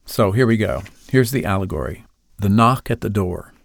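A man's voice: lowish voice, expressive, moderate pace, gravelly, dry recording. A man hosting a devotional podcast, reading aloud an allegory of his own in an earnest storytelling manner. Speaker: podcast host.

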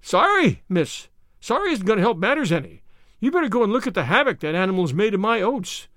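A furious, stout middle-aged farmer blusters and splutters, his voice leaping high and swinging wildly, as a male narrator puts him on. The sound is close and dry, with no room around it. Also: big pitch swings, fast, fairly bright tone, no echo.

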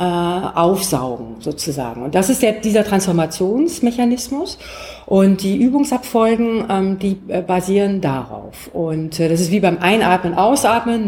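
A woman's voice: medium pitch, dark tone, slight background noise. A woman, a qigong teacher, explaining her method as a guest in an interview, with many filler sounds. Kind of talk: interview over distance.

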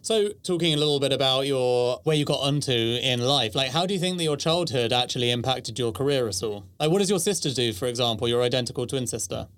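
A man's voice: mid-range voice, quick pace, hardly any pauses, fairly bright tone, smooth, dry recording. Podcast host man, dry close sound. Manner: scripted, upbeat intro, then loose conversational questions. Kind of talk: podcast intro and interview questions.

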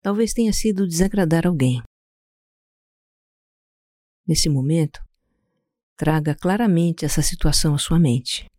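A Brazilian-accented speaker guiding a meditation in a calm, soothing, unhurried way, leaving pauses between instructions. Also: medium pitch, no echo, studio quality. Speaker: podcast host guiding a meditation. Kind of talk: slow guided meditation narration.

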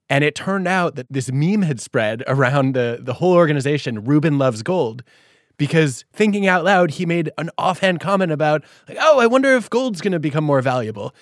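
A young man hosts a podcast conversation. He talks in an animated way, changing his pitch and pace. The recording is dry and close-miked. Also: no room sound. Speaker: podcast host. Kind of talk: casual conversation.

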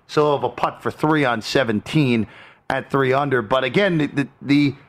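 A man's voice: medium pitch, moderate pace. A man hosting a sports show, giving live updates in the manner of a golf commentator.

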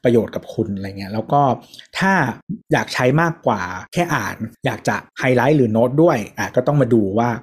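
Man explaining at a relaxed middle pitch. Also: a little fast, slightly rough. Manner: explains step by step with many fillers. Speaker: podcast co-host. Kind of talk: casual tech chat.

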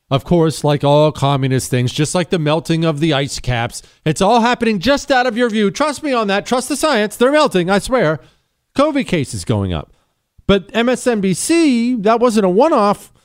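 A man hosting a call-in radio talk show, sarcastic and combative, mocking in a high voice then dropping low. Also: clear, resonant tone, no echo, clean studio sound.

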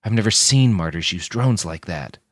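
A badly wounded army major, voiced by a man, slurring through pain with a wry edge. The voice sits low but swings widely, close and dry with no room sound. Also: expressive, normal speed, dry recording.

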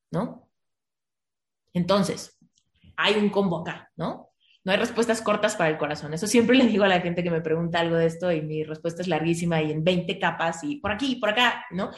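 Woman, Mexican accent, frank and emphatic, swears casually, roomy echo. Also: fairly low pitch. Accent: Mexican Spanish. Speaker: author and advisor. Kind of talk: conversational advice.

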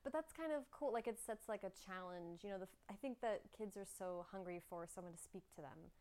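A woman's voice: medium pitch, a little fast, darkish tone. A woman hosts a conversational interview and builds her questions as she talks. She thinks aloud and laughs along with her guest. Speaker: podcast host. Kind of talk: casual interview chat.

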